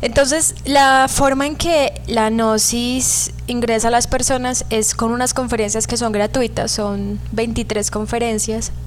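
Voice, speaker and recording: A woman talks at a very slow pace with hardly any pauses. Music plays in the background, and there is audible room echo. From Colombia. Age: 30s. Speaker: former cult member. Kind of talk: testimony.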